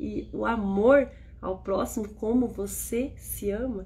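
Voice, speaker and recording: In a calm tone, a woman speaks with audible room echo. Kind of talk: devotional teaching live. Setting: livestream. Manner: slow.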